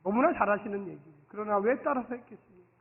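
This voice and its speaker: A man preaching a Sunday sermon as pastor, animated, swinging from soft asides to loud exclamations and leading the congregation to repeat after him. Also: high-pitched, rapid-fire. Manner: acts out dialogue and leads the congregation in call-and-response. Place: church sanctuary. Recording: reverberant hall, thin phone-like sound.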